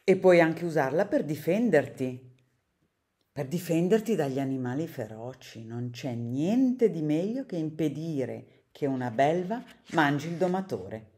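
A woman's voice: sits low, lively intonation, measured pace, dark tone. A woman voicing an enthusiastic young male dog who likes precision, explaining things cheerfully in a storybook reading.

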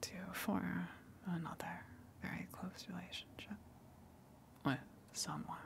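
A woman voicing a lonely, gentle tentacled sea monster in a breathy whispered ASMR roleplay, hesitant and earnest as she speaks. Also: fairly low pitch, level tone, full character voice. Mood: shy, candid. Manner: hesitant, confessional, halting, earnest.

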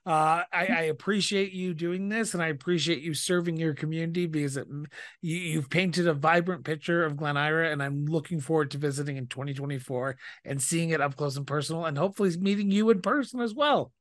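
Canadian podcast host, dry close studio mic. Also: male voice, on the high side, a little fast, a bit bright, no room sound. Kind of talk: podcast interview and outro. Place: small studio indoors. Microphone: studio mic on stand with headphones.

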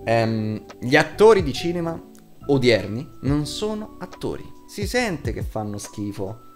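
A man in his twenties giving a casual, opinionated review to camera, blunt, emphatic and quick to swear. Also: medium pitch, very animated, soft background music. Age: 20s. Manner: blunt, foul-mouthed, emphatic. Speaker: video reviewer. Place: small room at home, indoors.

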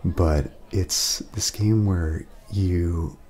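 A man speaking softly in a casual ASMR roleplay, laid-back and friendly, chatting as if to a friend. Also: deep voice, very slow. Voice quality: soft, breathy at times, creaky.

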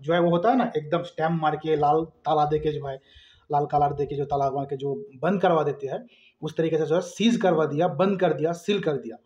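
A man talks casually to his phone in a distinctly high voice. He circles back over his points with plenty of filler phrases. The sound is dull and echoey, as from a small bare room. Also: fairly even intonation, fairly quick, darkish tone. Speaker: vlogger. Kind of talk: casual opinion vlog to camera. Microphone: phone at arm's length. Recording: dull, roomy phone recording.

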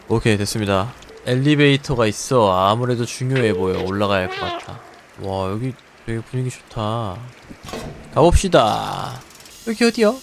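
A man's voice: mid-range voice, noisy background. A man giving casual running commentary while playing a video game, frustrated and exclaiming, muttering numbers to himself. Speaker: game streamer. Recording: game music behind the voice.

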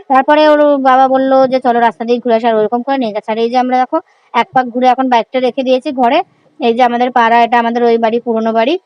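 A woman's voice: fairly high pitch, smooth, lo-fi sound. A woman in her thirties chatting casually through her day as a vlogger and mother, rambling through everyday details. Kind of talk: casual daily vlog narration. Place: home, later outdoors on a night street. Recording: noisy phone recording with street sounds.

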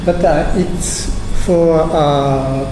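A middle-aged Japanese man with a Japanese accent, giving a conference talk in English, a second language he speaks haltingly with many fillers and restarts, recorded in a large conference room on a lectern mic. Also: a little high, steady tone. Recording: echoey hall, air conditioner hum.

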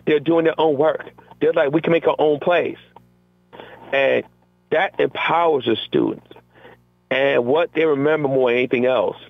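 An energetic middle-aged man, a teacher being interviewed conversationally, reenacts what he and his students said in class. His voice sits in the mid range. The phone-line audio is tinny and has no echo.

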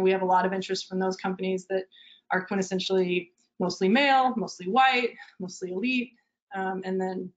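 A woman startup founder calmly explaining her company on a video call, with fillers as she thinks. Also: medium pitch. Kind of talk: answering questions on a video call. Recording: dull lo-fi video call audio.

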